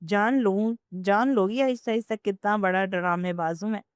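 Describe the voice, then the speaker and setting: A woman's voice: medium pitch, fairly even intonation, clean tone, dry recording, studio quality, close to an everyday voice. A woman voicing a playful, mischievous young husband in a storybook romance, with a joking, teasing delivery.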